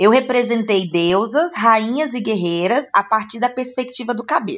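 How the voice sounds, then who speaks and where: A woman speaks at a moderate pace in a fairly high pitch. Her intonation is lively, in a plain, everyday voice. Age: 20s. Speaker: digital nomad and photographer. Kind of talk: casual chat.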